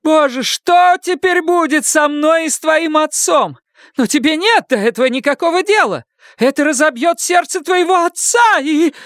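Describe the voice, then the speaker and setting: A man voicing a furious, sarcastic middle-aged mother who screeches and yells. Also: very high voice, lively intonation, normal speed, no echo, studio quality, voice pushed up. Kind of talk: audiobook character reading.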